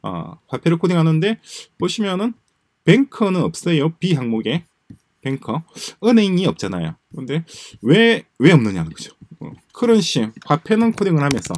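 A man's voice: a little high, big pitch swings, normal speed, a little mellow, no echo. A man giving a screen-share lecture on automation, musing aloud, repeating phrases and trailing off into mumbles as he types notes. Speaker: presenter explaining a coding project. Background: keyboard typing.

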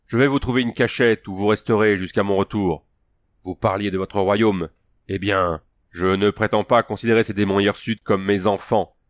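Male reader doing a low, blunt barbarian chief; gruff, restless, defiant. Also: fairly even intonation, normal speed, no echo, close to an everyday voice. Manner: blunt, growling oaths.

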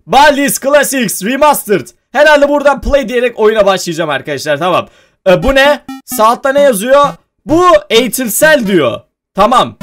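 A young man chatting through a let's-play with a very high voice that leaps all over. He talks straight to his viewers, jumpy and quick to yelp when scared. Faint music plays behind him. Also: fairly bright tone. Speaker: gaming YouTuber. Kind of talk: casual let's-play commentary.

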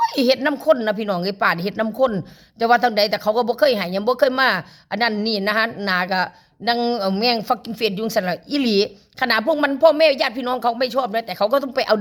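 A woman's voice: mid-range voice, fairly bright tone. A woman in her late fifties with an Isan accent, hosting a live stream and ranting angrily with crude insults and swearing, her voice a little worn from overuse. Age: 50s.

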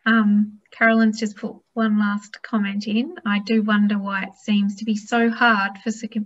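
A woman's voice: medium pitch, muffled recording. A woman in her fifties chairing a panel on a video call through a headset, wrapping up in a friendly way. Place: room at home.

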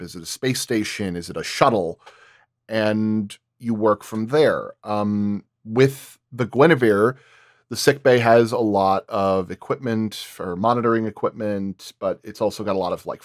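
A man's voice: lowish voice, no echo, clean studio sound. A man speaking as a sound designer on a panel, explaining his craft casually and in thoughtful detail.

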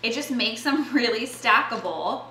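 An American woman in her thirties with a bright, forward voice talks casually, as a vlogger showing recipes does. Her delivery is informal and conversational. The sound is roomy, like an indoor kitchen, with faint noise behind her. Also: a little high, animated, unhurried. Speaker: fitness vlogger and recipe host. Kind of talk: casual chatty cooking demonstration to camera.

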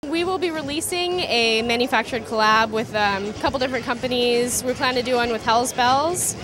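A young woman in her twenties, a jewelry designer, chatting casually at a trade show booth into a handheld mic, relaxed and full of fillers. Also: on the high side, fairly quick. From Southern California. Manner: relaxed, filler-heavy, slightly trailing off. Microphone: handheld interview mic. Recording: loud music playing behind.

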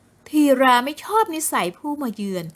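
A woman narrating a novel in a slow, measured storytelling manner. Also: sits high, lively intonation, fairly bright tone. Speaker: audiobook narrator.

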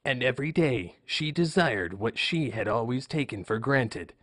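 A man's voice: medium pitch, lively intonation, moderate pace, a bit bright, no echo. A man playing a showy, genial game show host who narrates a storybook tale in a comic audio drama. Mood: storytelling.

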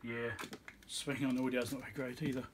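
A man's voice: mid-range voice, little pitch movement, fast talker. Offhand man muttering over noisy background. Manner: muttering, offhand, thinking aloud. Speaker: electronics repair technician and video host. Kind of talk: casual bench commentary while working. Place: small cluttered indoor electronics workbench.

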